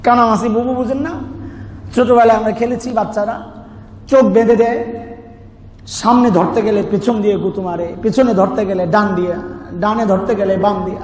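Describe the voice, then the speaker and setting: A Bangladeshi man preaches an Islamic sermon in a high, darkish voice with fairly even intonation, speaking at a moderate pace and pausing often. He explains scripture emphatically and conversationally, mixing recitation, everyday analogies and rhetorical questions. The recording comes from an echoey, reverberant hall with background noise.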